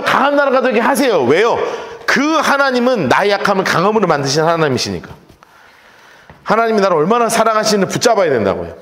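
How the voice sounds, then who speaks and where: Guy preaching a bible study, high lively voice, lots of repeating, big reverb hall. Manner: emphatic, repeating phrases with rising intensity. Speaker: pastor. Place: church sanctuary.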